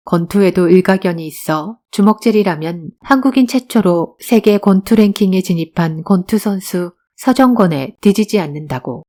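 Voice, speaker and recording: A woman narrating an audiobook in a calm, steady storytelling manner. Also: fairly low pitch. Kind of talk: scripted narration.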